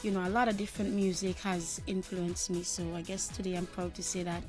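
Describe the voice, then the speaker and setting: A woman's voice: on the low side, fairly quick, faint music behind. Young Caribbean woman singer, confident. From Trinidad and Tobago. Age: young adult. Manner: confident, animated, frequent "you know". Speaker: singer interviewed. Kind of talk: interview answers.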